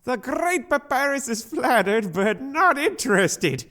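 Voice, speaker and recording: A woman's voice: high voice, big pitch swings, unhurried, fairly bright tone, exaggerated voice. A woman voicing a boastful, innocent male skeleton monster with pompous, theatrical delivery in a fan comic dub. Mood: proud, cheery.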